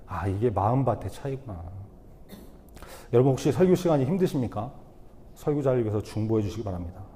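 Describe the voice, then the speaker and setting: A man's voice: mid-range voice, dark tone, a little hiss or hum. Young male preacher, reverberant church hall. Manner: conversational, humorous, addresses the congregation directly. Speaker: youth ministry preacher. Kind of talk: sermon. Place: church sanctuary.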